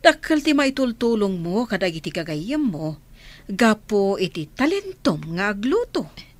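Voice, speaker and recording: A middle-aged woman with an Ilocano accent, playing a caring mother who gently urges her daughter to marry, in a radio drama. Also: mid-range voice, big pitch swings, a little slow, no room sound. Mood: coaxing.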